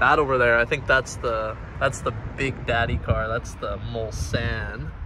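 Against noticeable background noise, a man talks at a fairly slow pace in a dry sound with no echo. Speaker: car vlogger. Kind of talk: casual vlog commentary. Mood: enthusiastic. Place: street. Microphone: phone near.

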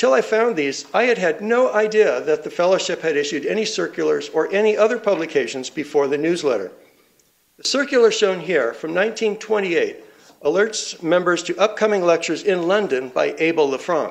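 Against a quiet background, a high-pitched man talks at a moderate pace with lively intonation. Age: old. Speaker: independent researcher. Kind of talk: conference lecture. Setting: stage with audience. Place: hall.

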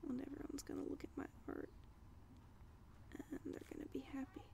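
The speaker is soft-spoken and keeps a moderate pace. The sound is dry with no echo, over light background noise. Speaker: vlogger. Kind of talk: casual vlog chat. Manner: soft, hushed ASMR roleplay voice. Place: home room. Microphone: webcam.

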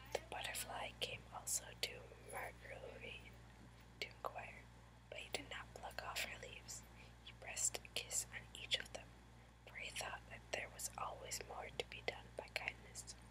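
A soft-spoken woman whispering at a fairly slow pace over loud background noise. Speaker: storyteller. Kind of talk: story reading. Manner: soft whispered storytelling. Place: home room. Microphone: webcam.

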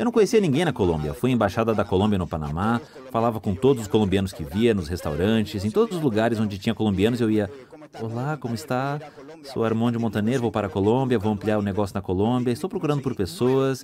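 A man's medium-pitched voice at a very fast pace, lively in intonation, amid noticeable background noise. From Panama. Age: 50s. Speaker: business speaker, former army officer. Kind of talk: motivational testimony talk. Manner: halting.

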